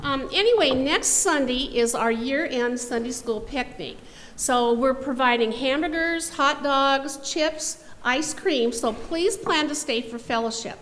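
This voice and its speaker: A woman who teaches, making a church announcement in her loud teaching voice. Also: high-pitched, a little slow. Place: church sanctuary. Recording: reverberant church hall, faint noise.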